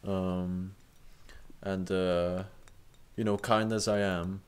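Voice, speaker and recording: A young man with a slightly low voice hosts an unscripted chat. He rambles loosely, stacks up fillers and restarts, and swears in passing. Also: flat delivery, very slow, smooth. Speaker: host. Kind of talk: improvised casual commentary.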